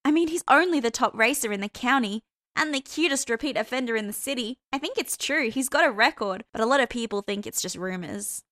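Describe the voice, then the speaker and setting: A woman voicing an excitable, gossipy young college woman who talks in high, breathless bursts. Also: fairly quick, no echo, clean studio sound. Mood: excited gossip.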